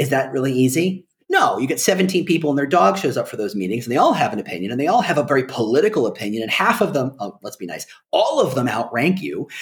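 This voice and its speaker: Talking at a fairly quick pace, a man uses vocal fry and very wide pitch swings. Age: 50s. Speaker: author of a business book. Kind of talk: podcast interview. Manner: animated.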